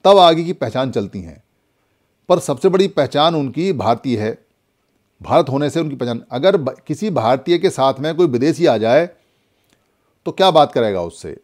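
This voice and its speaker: A man's voice: mid-range voice, lively intonation, moderate pace, darkish tone. A man from India giving a spoken Buddhist lesson, preaching with many repeated rhetorical questions. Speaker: Buddhist teacher.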